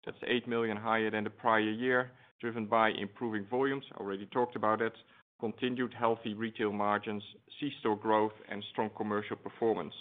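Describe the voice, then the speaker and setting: A man speaking as a company executive, giving a formal, businesslike scripted earnings presentation over a conference phone line. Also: fairly low pitch. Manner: formal, businesslike corporate delivery. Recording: tinny, band-limited conference phone line.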